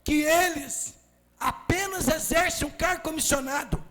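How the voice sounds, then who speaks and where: A Brazilian city councilman with a Minas Gerais accent giving a forceful, emphatic speech in the council chamber, often raising his voice. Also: very high voice, measured pace. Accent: Brazilian Portuguese, Minas Gerais. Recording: reverberant chamber with faint music.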